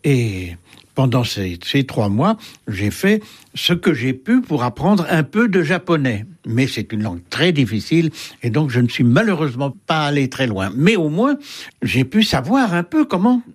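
A man's voice: medium pitch, very animated, moderate pace, slightly rough. An older man, a writer, answering interview questions thoughtfully, with many hesitations and restarts. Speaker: writer and guest.

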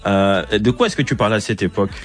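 Deep-voiced male interview host. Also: quick pace, faint music behind. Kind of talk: French-language interview questions.

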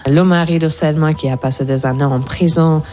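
A woman's voice: deep voice, steady tone, a little fast, dark tone. A woman from Iran, speaking French as a guest in a radio interview and answering thoughtfully, searching for her words. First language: Persian. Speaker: actress guest.

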